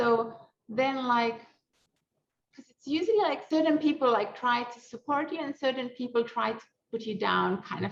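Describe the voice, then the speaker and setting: A woman's high-pitched voice with a non-native accent, moderate in pace, with ordinary pitch variation and big swings in loudness. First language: not English. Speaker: neuroscience professor. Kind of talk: interview. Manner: casual, many fillers.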